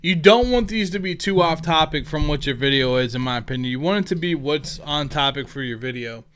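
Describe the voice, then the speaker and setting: A man with a fairly high, very clean and smooth voice talks through an on-screen tutorial. He is informal and rambling, thinking aloud as he works, like a gaming creator showing how things are done. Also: animated, fairly quick, a bit bright. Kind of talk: casual screen-recorded tutorial narration. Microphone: headset.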